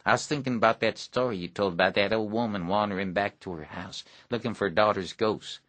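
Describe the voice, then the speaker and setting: A man's voice: lowish voice, a little fast, a bit bright, no room sound, natural voice. A man voicing a neglected, bitter rural teenage boy with a blunt, grim drawl.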